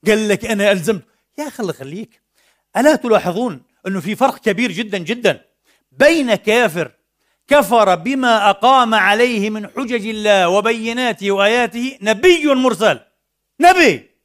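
Male preacher, high voice, rapid delivery, animated, rhetorical questions. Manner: animated, rhetorical questions, swings between loud and soft. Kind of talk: Friday sermon. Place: mosque.

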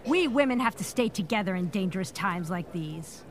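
A woman's voice: mid-range voice, lively intonation, moderate pace, natural voice. An actress playing an anxious, flustered city woman, fretful and hesitant, in a pulp radio drama. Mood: alarmed. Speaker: actor in an audio drama.

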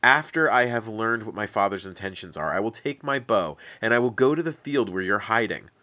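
A man's voice: on the low side, animated, a little fast, bright, forceful tone. A man voicing a loyal young prince who speaks earnestly and with emphasis.

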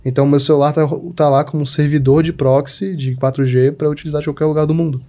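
Young man, podcast guest, casual chat, rapid talk, warm mellow tone. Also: fairly high pitch, level tone. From Santa Catarina, Brazil. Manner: chatty, many fillers like tipo and sabe. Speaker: podcast guest, digital marketer.

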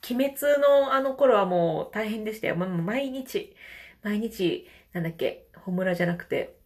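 A woman's voice: lively intonation, normal speed, darkish tone. A middle-aged woman with a Kansai accent, a vocal trainer chatting and laughing often on a casual livestream voice lesson. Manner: chatty, laughs often, demonstrates falsetto vowels.

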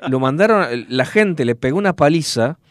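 A man's voice: on the high side, lively intonation, normal speed, no echo, studio quality. A man with a Rioplatense Spanish accent, hosting a radio show and telling a story in a chatty way, full of fillers. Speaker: radio host.

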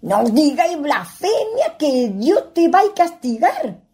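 A woman playing a cautious, scolding country ghost with a husky voice and a Chilean accent, speaking rural colloquial speech in a radio play. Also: high-pitched, big pitch swings, slow, mellow, heavily acted. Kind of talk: radio theatre acting.

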